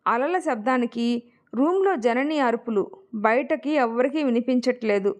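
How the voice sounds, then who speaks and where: A woman narrating a family love story in a steady, expressive storytelling manner. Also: high voice.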